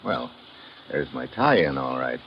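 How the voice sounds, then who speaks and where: An actor in a 1950s radio drama playing a tough, wry American government agent, clipped and sardonic. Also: male voice, rumbling low, sing-song, takes it slowly, exaggerated voice. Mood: wry, probing. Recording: dull, noisy old radio recording.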